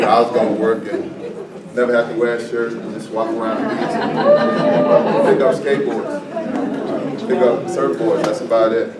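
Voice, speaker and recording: A man from the U.S. Virgin Islands, a fire department presenter, giving a chatty, joking safety talk to a seated group in a meeting room. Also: mid-range voice. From U.S. Virgin Islands (St. Croix). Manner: joking, chatty, loose and conversational. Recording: echoey room, mic far off, noisy background.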